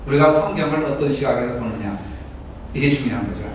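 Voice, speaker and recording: Pastor from Daejeon in an echoey room. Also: male voice, medium pitch, quick pace. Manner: asks listeners for agreement often. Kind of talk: Bible study teaching. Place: church room. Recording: echoey room from far off, faint noise.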